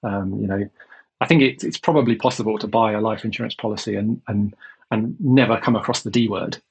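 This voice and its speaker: A man speaking as a guest in a podcast interview, measured and repeating words as he thinks. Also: lowish voice, gravelly, husky. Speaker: guest, insurance company executive.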